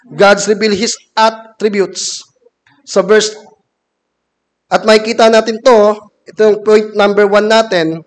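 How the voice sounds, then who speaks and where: A Filipino man in his thirties preaching a measured sermon from a wooden pulpit in a church hall, reading scripture aloud. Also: high voice. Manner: measured, reads scripture from a laptop. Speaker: deacon preaching. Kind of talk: sermon mixing Filipino and English.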